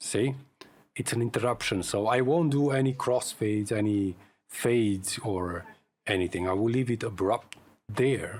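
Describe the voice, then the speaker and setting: Speaking with a non-native accent at a moderate pace, the voice keeps very even loudness and ordinary pitch variation, with long, frequent pauses. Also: man, very clean recording, silent background. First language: not English. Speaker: YouTuber, video editing tutor. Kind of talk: tutorial. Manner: halting, many pauses.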